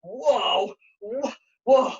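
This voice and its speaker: A woman's voice: a little high, extremely slow, darkish tone, distant mic. Woozy puppet creature, flustered, stammering, repetitive, voiced by a woman; muffled live recording. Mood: dizzy, flustered. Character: dizzy, flustered, babbling enchanted puppet creature. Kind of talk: live puppet show storytelling.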